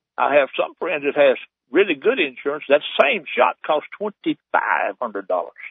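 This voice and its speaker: A man speaks with a Louisiana accent. His pace is moderate. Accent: Louisiana Southern. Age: 80s+. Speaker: caller. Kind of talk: call-in radio talk. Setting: phone call. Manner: halting.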